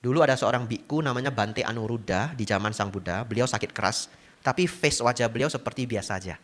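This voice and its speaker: A man's voice: medium pitch, fast talker. A man from Medan giving a sermon as a Buddhist monk, telling a story and acting out the voices in it. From Medan, Indonesia. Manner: animated storyteller, acts out quoted voices, laughs often.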